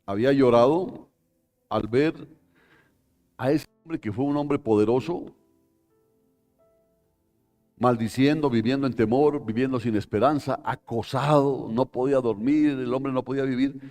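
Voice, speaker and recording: A man's voice: mid-range voice, measured pace, pauses often, a little mellow, soft background music. A man with a Colombian accent preaching a live sermon in church, retelling a scripture story dramatically, full of rhetorical questions. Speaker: pastor.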